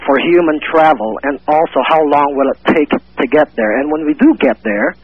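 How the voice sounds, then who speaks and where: Polite caller guy from the philippines, husky voice, thin phone line sound. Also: on the high side, lively intonation, moderate pace, no room sound. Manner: polite, slightly hesitant. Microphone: telephone.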